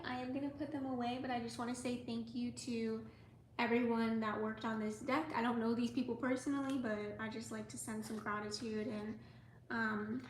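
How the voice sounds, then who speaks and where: A young woman from the United States, hosting a casual livestream as an artist. She talks softly and rambles with lots of "like" and "um", sometimes dropping almost to a whisper. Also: a little high. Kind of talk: casual livestream chat with viewers. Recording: echoey room with faint ambient noise.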